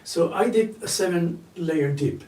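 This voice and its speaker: An older man, a guest actor, tells stories at an easy pace and repeats phrases for emphasis. His voice sits a bit high and. The sound is roomy, with the mic some distance from him. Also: a little slow, darkish tone. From Argentina. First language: Spanish. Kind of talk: casual interview storytelling.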